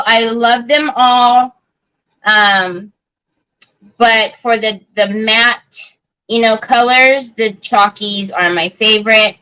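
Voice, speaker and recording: Woman chatting on her craft livestream, slow and easy, bright voice, lots of ums. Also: medium pitch, clean tone, low-quality recording. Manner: chatty, answers viewer comments, many fillers and restarts. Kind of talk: casual chat while crafting live.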